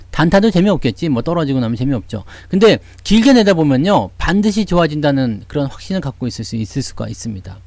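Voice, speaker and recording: This middle-aged man from Seoul, South Korea, hosts a casual stock-market livestream on YouTube, chatting, joking and tossing in frequent asides as he answers viewers. His voice sits on the high side, a little mellow, with no room sound.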